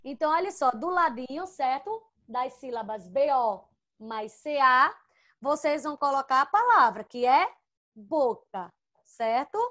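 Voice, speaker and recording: High-voiced woman teaching children. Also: animated, bright, forceful tone. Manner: patient and coaxing, checking in with "certo?"; fond of diminutives, spells out syllables slowly. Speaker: first-grade teacher. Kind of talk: online class for young children. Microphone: computer microphone, with headphones.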